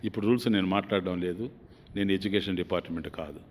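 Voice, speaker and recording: A man's voice: low-pitched, rapid-fire, a little hiss or hum. A man giving a religious discourse as a swami, telling an emotive story and turning often to his listeners, heard in a long hall reverb. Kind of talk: sermon storytelling.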